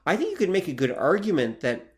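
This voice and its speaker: Fast-talking and fairly high-pitched, this man swings hugely in pitch as he co-hosts a podcast on comic history. He explains things at length in a relaxed, reflective manner, using lots of fillers.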